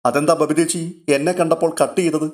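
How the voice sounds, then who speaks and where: A man's voice: fairly high pitch, fairly even intonation, fairly quick, voice pushed up, close to an everyday voice. A man voicing a hurt young girl who questions with resentment in a spoken novel. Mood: suspicious.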